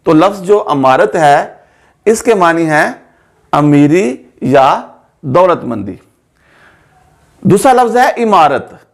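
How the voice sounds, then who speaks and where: Slow, careful male Urdu teacher. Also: on the high side, animated. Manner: slow, careful, repeats words to stress pronunciation. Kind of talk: pronunciation lesson.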